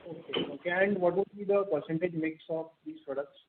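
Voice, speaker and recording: A man, an analyst asking questions on an earnings call, speaking quietly and hesitantly over a handset. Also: on the high side, fairly quick, background noise. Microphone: phone handset. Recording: tinny phone line.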